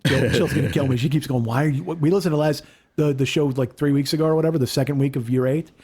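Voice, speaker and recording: A man in his forties hosting a podcast, telling stories in a casual, profane, animated way. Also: fairly high pitch, fast talker, breathy edge. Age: 40s. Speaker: podcast host. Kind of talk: casual chat.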